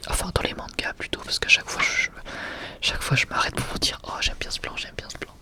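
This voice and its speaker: An ASMR creator whispering breathily and close to the mic in a casual, rambling, enthusiastic way, often correcting themselves. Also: quick pace.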